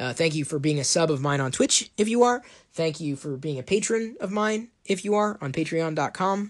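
Against a quiet background, a man with a high voice speaks at a moderate pace with lively intonation. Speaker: podcast host and livestreamer. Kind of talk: casual solo podcast monologue. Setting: home studio, livestreamed. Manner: less energetic than usual.

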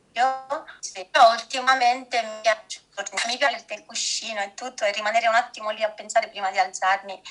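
Music plays behind a woman speaking at a fairly quick pace in a fairly high voice. Her intonation is fairly even, but her loudness swings widely. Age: 50s. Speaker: course participant. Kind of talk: testimony. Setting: video call.

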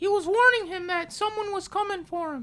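Fairly quick delivery in a put-on character voice. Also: woman. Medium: actual play. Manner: hesitant, chatty, with nervous laughs.

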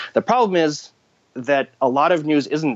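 A man speaks with a General American accent. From Moscow, Russia, moved to US as a kid. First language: Russian. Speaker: journalist and editor. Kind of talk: interview conversation.

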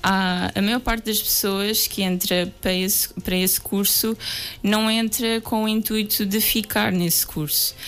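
A woman speaks at a medium pitch and a moderate pace, her intonation fairly even. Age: 20s. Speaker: artist and architecture graduate. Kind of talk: radio interview. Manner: hesitant.

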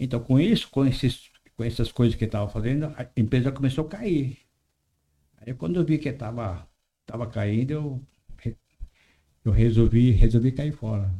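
Somewhat breathy, with a dark, mellow tone, a man speaks at a medium pitch and moderate pace. He leaves long, frequent pauses and varies his pitch in an ordinary way. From rural Brazil, moved to Guarulhos. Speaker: business owner. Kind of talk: casual interview.

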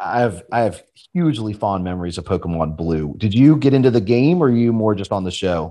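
Deep-set in a fairly low pitch, a man speaks with a dark, mellow tone and very wide pitch swings. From US, Pittsburgh, Pennsylvania. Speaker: fantasy football podcast host. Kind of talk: casual chat.

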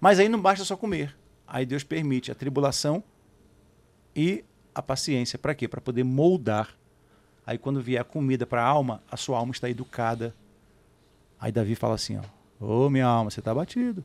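A man's medium-pitched voice with lively intonation and long, frequent pauses, on a very clean recording with a silent background. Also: fairly quick pace. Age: 40s. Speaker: pastor and gospel music producer. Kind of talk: casual interview.

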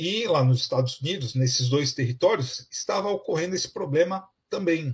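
A man with an ordinary speaking voice, fairly high in pitch for a man, lively intonation and a moderate pace. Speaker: YouTube live streamer. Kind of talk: live stream monologue. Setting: home live stream with microphone. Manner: casual, with many fillers.

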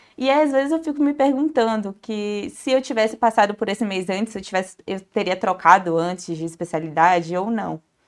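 A woman speaks in a normal speaking voice at medium pitch, with lively intonation and a moderate pace. She leaves hardly any pauses, and the recording is very clean with a silent background. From Salvador, Bahia, Brazil. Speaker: medical resident in anesthesiology. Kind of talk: casual interview.

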